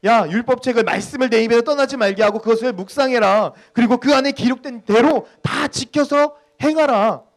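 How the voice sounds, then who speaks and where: A man voicing a stern fatherly male deity who scolds his people with loud, blunt questions. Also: extremely high pitch, fairly quick, few pauses, voice pushed up. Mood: rebuking.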